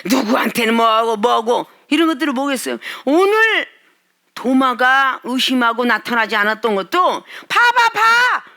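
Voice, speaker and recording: A woman's voice: fairly high pitch, expressive, moderate pace, bright, forceful tone. A middle-aged woman pastor preaching a sermon with emphatic delivery, acting out complaining churchgoers in a whiny voice.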